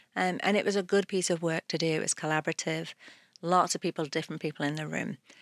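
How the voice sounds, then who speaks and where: The speaker talks at a very fast pace with vocal fry. The intonation stays fairly even. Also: woman, fairly low pitch for a woman, dry, close sound with no echo, very clean recording, silent background. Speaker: nonprofit CEO. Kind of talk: casual interview chat.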